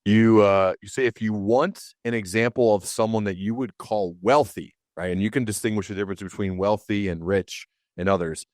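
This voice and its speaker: A man's voice: on the low side, steady tone, normal speed, few pauses, darkish tone, no room sound, studio quality. A man hosting a podcast interview in a casual, chatty style.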